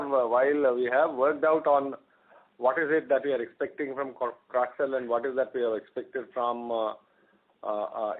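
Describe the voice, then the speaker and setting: A man, a company executive answering on a conference call, hesitant with many fillers. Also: mid-range voice. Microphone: telephone. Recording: phone-line audio.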